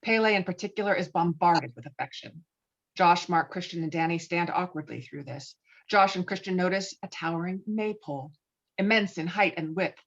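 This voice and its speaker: A woman's voice: on the low side, normal speed. A woman reading stage directions as narrator of a screenplay table read, on slightly muffled online call audio.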